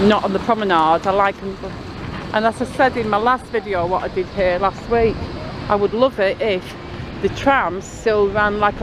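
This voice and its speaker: Chatty, sniffly woman narrating a site walk on a handheld camera, loud traffic noise behind. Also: mid-range voice. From Blackpool, England. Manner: chatty, rambling, friendly asides to viewers. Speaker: local vlogger. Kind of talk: casual walking commentary. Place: outdoors by a building site and tram stop. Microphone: handheld camera filming as she walks. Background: passing cars and trams.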